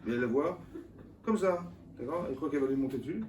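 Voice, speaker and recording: A rabbi teaches a Torah class in a casual, animated way, peppering the room with rhetorical questions. His voice sits at an ordinary middle pitch. It is picked up from some distance in a reverberant hall, with a faint hum of noise underneath. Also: rapid-fire. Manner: colloquial and animated, firing rhetorical questions at listeners. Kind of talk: informal Torah lesson to a live audience. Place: lecture room with live audience.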